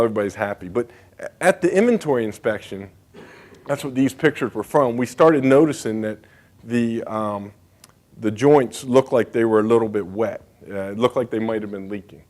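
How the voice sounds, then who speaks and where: A man's voice: medium pitch, a little mellow. A man giving a conference presentation as a state bridge engineer, speaking casually with frequent fillers and asides.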